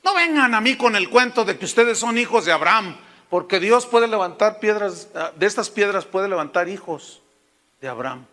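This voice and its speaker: Bright high-voiced preacher. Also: male voice, expressive, normal speed. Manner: storytelling preacher who acts out biblical figures, addresses listeners as brother. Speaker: pastor. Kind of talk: sermon.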